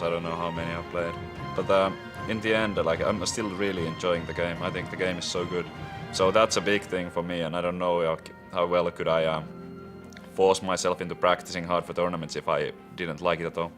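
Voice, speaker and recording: Male pro player, low voice, interview clip, faint music. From Finland. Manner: thoughtful, searching for words. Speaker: pro card game player. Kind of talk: pre-recorded player interview.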